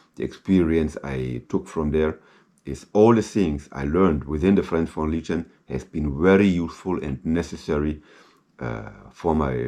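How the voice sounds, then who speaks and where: A man's very deep, low voice with a dark, mellow tone, ordinary pitch variation and a moderate pace against a quiet background. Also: long, frequent pauses. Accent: German. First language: German. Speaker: former legionnaire and security contractor. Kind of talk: casual monologue. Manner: halting, many fillers.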